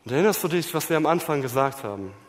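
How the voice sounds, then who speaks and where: A man preaching a sermon, swinging between loud emphasis and hushed, low passages. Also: animated, fast, in a large hall. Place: church hall.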